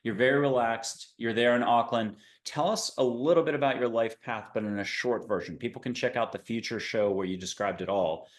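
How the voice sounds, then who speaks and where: A male host of an interview show, introducing a guest and asking questions on a video call in a chatty, upbeat way, with quick asides. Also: medium pitch. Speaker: podcast host. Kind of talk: casual interview hosting.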